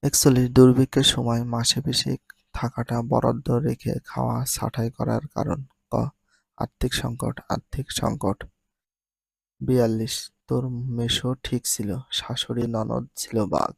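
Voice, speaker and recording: A man's voice: medium pitch, flat delivery, gravelly, breathy edge, no room sound. A man reading out multiple-choice questions and answers as a teacher, repeating each answer plainly. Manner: reads each answer twice, slowly and plainly.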